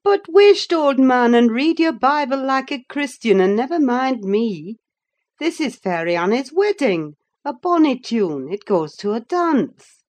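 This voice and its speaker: A woman doing a brisk, kindly housekeeper. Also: sits high, very animated, darkish tone, voice pushed up. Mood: retorting.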